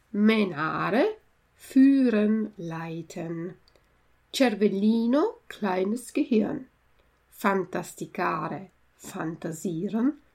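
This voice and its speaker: Slow, gravelly woman reading aloud. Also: mid-range voice, darkish tone. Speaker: language teacher reading a story aloud. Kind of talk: slow storybook reading with vocabulary glossary.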